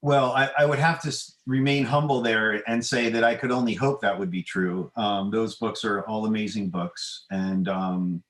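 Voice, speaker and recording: A middle-aged man, an author and podcast guest, answering in a hesitant, measured, modest way, with a roomy, echoing sound. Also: lowish voice, fairly even intonation, a bit bright. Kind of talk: conversational interview answers.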